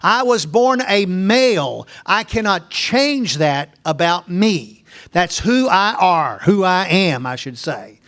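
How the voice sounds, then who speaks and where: A man with a high-pitched voice teaches a Bible lesson in an earnest, folksy way. He talks slowly and repeats his main points for emphasis. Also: sing-song, a bit bright.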